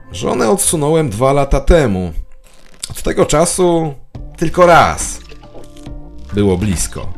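A man playing a paranoid, bitter middle-aged office worker who delivers a theatrical, suspicious monologue in an audio drama. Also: mid-range voice. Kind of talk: scripted first-person audio drama monologue.

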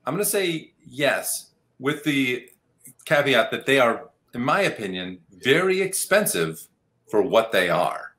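Game show host, male, middle-aged, medium pitch with a crisp bright edge, running an online guessing game. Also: sing-song, unhurried. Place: home room on a video call.

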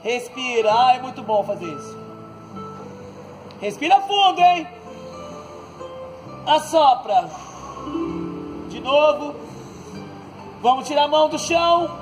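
A Brazilian man leading an outdoor stretching class, giving calm breathing cues and joking lightly as he moves the group through each pose. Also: extremely high pitch, rough recording. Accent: Brazilian Portuguese. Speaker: fitness instructor. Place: outdoor court, large open space. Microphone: far camera on the ground. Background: background music.

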